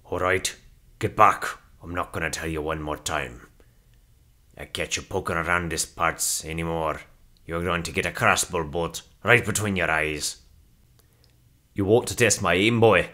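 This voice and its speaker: A man in his thirties voicing a grumpy, stubborn dwarf with a gruff, grumbling manner in a character demo. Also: sits low, steady tone, measured pace, bright, forceful tone. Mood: threatening.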